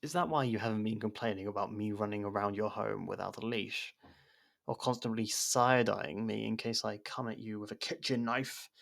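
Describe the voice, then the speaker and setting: A man playing an abrasive but protective murderer turned investigation partner in an intimate ASMR audio drama, speaking in a halting, guarded way. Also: fairly low pitch, gravelly, fairly bright tone. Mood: teasing.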